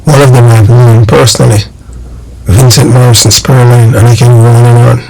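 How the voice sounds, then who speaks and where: A Jamaican man hosts a commentary channel, speaking directly to his viewers. His mid-pitched voice has a heavy gravelly creak, and he phrases things emphatically and deliberately. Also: little pitch movement, a little mellow, soft background music, low-quality recording. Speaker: online channel host and commentator. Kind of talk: direct-to-audience political commentary.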